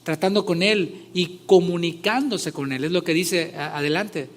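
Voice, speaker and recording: Male pastor, fairly high voice, conversational sermon with emphatic swells. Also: normal speed. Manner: conversational, rising loud when retelling scripture scenes.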